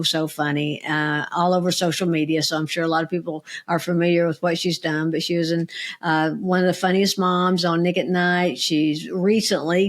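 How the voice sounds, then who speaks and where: Gushing woman comedian co-host. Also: on the low side. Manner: warm, gushing, halting with many uhs. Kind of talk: casual podcast chat.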